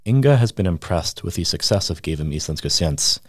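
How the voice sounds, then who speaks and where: A man narrating a scripted news feature as a reporter, measured and steady. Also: deep voice, no room sound, studio quality. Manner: measured, reads quotes aloud in the same voice. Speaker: radio reporter.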